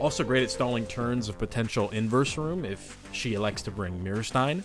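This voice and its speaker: Music plays in the background as a man speaks at a very fast pace. His pitch varies in an ordinary way. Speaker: gaming content creator. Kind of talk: casual commentary to viewers.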